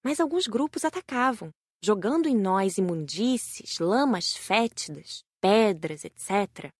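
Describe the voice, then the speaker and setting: A woman's voice: medium pitch, animated, a little slow, breathy edge, dry recording, studio quality. A woman with a Brazilian accent reading a scripted first-person audiobook narration.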